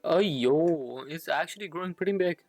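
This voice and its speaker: Female game streamer, low voice, unhurried, offhand live reactions, very dry close mic. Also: a little mellow, dry recording, soft background music. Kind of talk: casual live reaction commentary.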